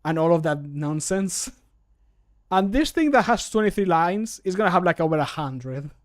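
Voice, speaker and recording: Man, thirties, streamer, casual chat, slightly higher-pitched voice. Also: lively intonation, normal speed. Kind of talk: casual chat while recording voice lines. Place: small home room.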